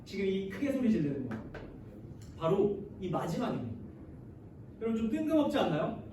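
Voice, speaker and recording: A man with a very high voice preaches to teenagers and keeps turning to his listeners with questions. His voice rings through a large, booming church hall and sounds far from the microphone. A faint hiss sits behind him. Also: very animated, a little fast, dark tone. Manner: addresses the listeners often and asks them questions; leads the congregation in reading scripture aloud. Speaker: youth pastor. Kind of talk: sermon to high school students. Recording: very echoey hall, voice heard from afar, faint noise.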